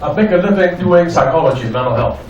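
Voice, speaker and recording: An older man giving a lecture in short, deliberate, simply worded phrases. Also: a little high, animated, a little mellow, highs cut off. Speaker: guest lecturer, clinical psychologist. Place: echoey indoor venue. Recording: echoey, distant, noisy room.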